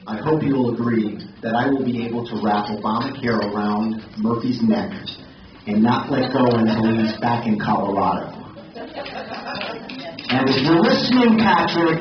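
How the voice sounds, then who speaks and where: Man, candidate, pointed, muffled lo-fi sound, background hum. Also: mid-range voice. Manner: pointed, jabbing speech. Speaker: candidate at a forum. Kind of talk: campaign speech. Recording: echoey hall, far mic, muffled.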